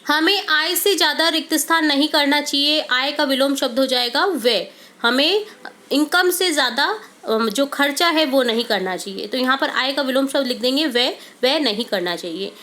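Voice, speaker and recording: A woman with a high voice walks through a workbook as a teacher. She reads each answer slowly and explains every step. She speaks close to the mic in a voice-over. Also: pushed and bright.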